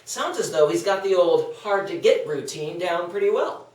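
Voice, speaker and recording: A cocky young Greek skeptic, read by a young man, teases drily in a somewhat high male voice. It is a comic stage dialogue, heard from across an echoey room. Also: expressive, moderate pace, a little mellow. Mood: dry, teasing. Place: small meeting room around a table. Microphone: far camera or table recorder. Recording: echoey meeting room, distant mic.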